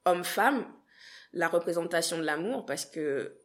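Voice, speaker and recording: A woman's voice: lowish voice, lively intonation, measured pace, a bit bright. Earnest young woman from Guadeloupe. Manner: earnest, thoughtful, hesitant restarts. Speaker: podcast creator, interview guest. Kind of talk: reflective interview answers.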